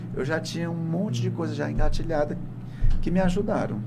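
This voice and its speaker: Speaking at a fairly quick pace, a man is heard with audible room echo and noticeable background noise. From Brazil, Piauí. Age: 50s. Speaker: comedian. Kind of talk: casual chat.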